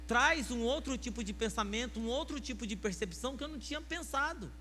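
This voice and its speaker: A man's voice: very high-pitched, lively intonation, brisk, sharp tone. A man with a Brazilian Portuguese accent preaching a sermon as pastor, emphatic and firing rhetorical questions at the congregation. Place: church sanctuary. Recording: church hall reverb with faint mains hum.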